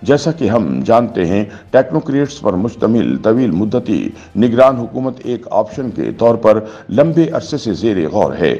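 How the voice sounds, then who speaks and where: A man reads a political news voice-over in a formal, even-paced manner. His voice sits on the low side. The recording sounds dull and lo-fi. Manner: formal, measured reading of a political commentary. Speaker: news narrator.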